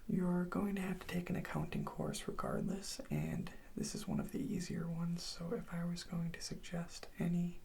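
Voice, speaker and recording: An ASMR performer whispering gently and without hurry, reassuring the listener in the role of a college advisor, with a breathy, creaky voice. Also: mid-range voice, lively intonation, moderate pace, hardly any pauses.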